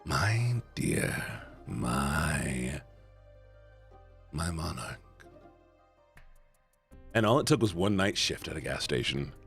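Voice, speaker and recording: A man streaming a story game, reading the text aloud and chatting playfully with his viewers in an animated way. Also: mid-range voice. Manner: animated, playful, shouting at times. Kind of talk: reading a visual novel aloud to chat.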